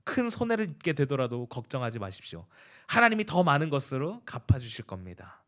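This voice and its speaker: A preacher playing a calm, patient village pastor. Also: male voice, mid-range voice, fairly quick, voice pushed down. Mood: calm counsel.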